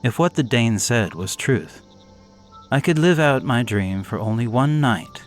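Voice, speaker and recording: Male storyteller for a gothic horror reading: unhurried, melodic delivery over a soft music bed. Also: mid-range voice. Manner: slow, measured, expressive reading. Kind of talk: scripted horror story narration.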